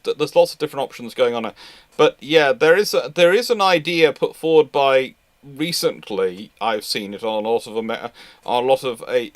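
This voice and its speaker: A man's voice: medium pitch, dry recording. A man hosting a casual live question-and-answer talk, hesitant and often restarting his phrases. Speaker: host of a live naval history question-and-answer show.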